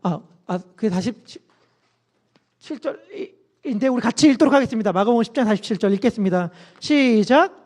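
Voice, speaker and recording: A male pastor preaches with his voice sitting very high for a man. He tells the story in an animated way, with wide swings in pitch. He often drops into quiet asides between his livelier stretches. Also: a little fast. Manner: animated storytelling, acts out scenes. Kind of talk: sermon.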